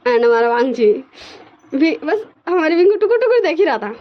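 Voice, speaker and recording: A woman's voice: sits high, big pitch swings, moderate pace, muffled recording. A woman narrating a fan fiction story casually, often stumbling and repeating words.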